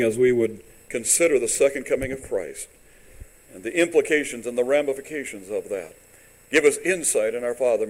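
A man preaching a sermon in a church, his voice rough, often halting with fillers and restarts. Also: medium pitch, a little mellow, rough recording. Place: church sanctuary.

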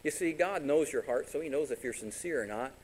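Pastor, male, fairly high voice, lively sermon delivery with rhetorical questions. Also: fairly quick, breathy edge, low-quality recording. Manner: animated preaching, voices imagined congregants.

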